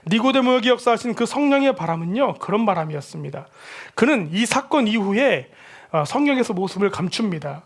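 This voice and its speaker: High-voiced male pastor preaching. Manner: conversational, asks the congregation questions. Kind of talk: sermon.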